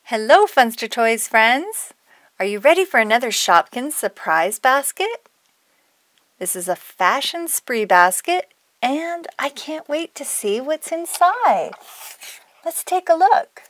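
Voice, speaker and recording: A woman's voice: high-pitched, very animated, slow pace, fairly bright tone, no room sound. A woman hosting a toy unboxing for children, narrating playfully in a gushing, exclamatory, sing-song way. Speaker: toy unboxing video host.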